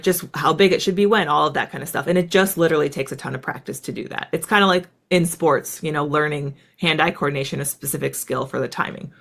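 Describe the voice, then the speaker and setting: A woman's voice: sits low, creaky. Chatty woman telling a flying story. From United States. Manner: fast, animated, lots of "like" fillers. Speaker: guest, former fighter pilot. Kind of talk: casual storytelling interview.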